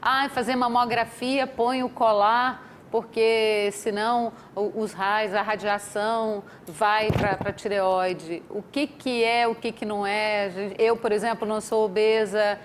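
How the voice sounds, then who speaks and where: A woman's voice: mid-range voice, a little slow, hardly any pauses, slight background noise. Chatty female TV host. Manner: lively, chatty, voices common myths. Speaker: TV interview host. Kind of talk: TV talk show hosting. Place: TV studio desk.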